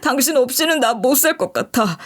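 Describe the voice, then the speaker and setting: A woman's voice: high-pitched, expressive, brisk. A woman voicing a desperate young man who pleads tearfully with his ex-fiancée in a story narration. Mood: begging. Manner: begging, whiny and desperate.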